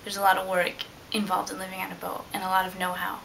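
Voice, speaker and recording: A woman's voice: medium pitch, completely flat delivery, quick pace, gravelly, heavy background noise. A young adult woman talking casually and reflectively as an interviewee about her own life, seated indoors. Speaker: liveaboard sailor being interviewed.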